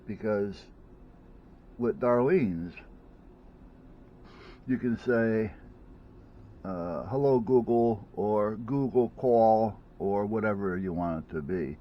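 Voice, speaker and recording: A man's voice: on the low side, slow pace, pauses often, dull audio. A man chatting casually at home about a headset he bought, rambling, with many restarts and fillers. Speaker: vlogger reviewing gadgets. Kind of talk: casual unboxing chat.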